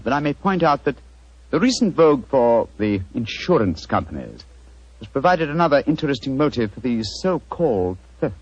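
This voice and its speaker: A composed, exacting detective in a vintage radio play. The husky voice moves up and down with animated pitch. It comes through a dull, muffled broadcast. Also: male voice, moderate pace, dry recording. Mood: measured. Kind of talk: 1940s radio acting.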